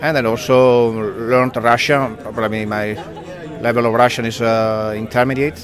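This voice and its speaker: A man with an Italian accent, an interview guest speaking outdoors in fast bursts with restarts. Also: mid-range voice, steady tone, a crowd in the background. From Italy.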